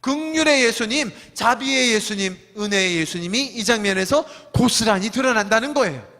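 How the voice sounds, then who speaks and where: A high-pitched man delivers an emphatic church sermon, firing rhetorical questions at the congregation. His voice rings with a long hall reverb in the sanctuary. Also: lively intonation, normal speed, bright, forceful tone. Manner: acts out scolding crowd voices. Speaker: pastor.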